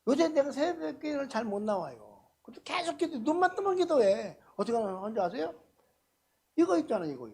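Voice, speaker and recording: An older man preaches at a church prayer meeting. His voice is somewhat husky, and his pitch moves around a lot. He speaks in a colloquial way, pressing hard on some phrases and dropping others almost to a murmur. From Korea. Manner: colloquial, swings between loud emphasis and soft asides. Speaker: pastor. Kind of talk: sermon.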